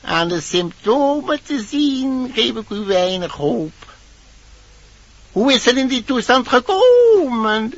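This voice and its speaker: Self-important cat physician, very high voice, extremely slow solemn delivery, old muffled radio-play sound. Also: male voice, very animated, dry recording, heavily acted. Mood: grave, clinical. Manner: pompous, slow formal declamation. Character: learned male tomcat doctor, solemn and self-important. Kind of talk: theatrical Dutch fairy-tale radio play.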